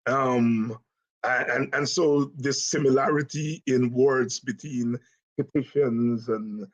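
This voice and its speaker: A man's voice: medium pitch, fairly even intonation, dull audio. Middle-aged guyanese guy hosting a politics chat, takes his time, lots of ums and restarts. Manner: unhurried, musing, with many fillers and restarts. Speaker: host. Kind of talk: casual political commentary.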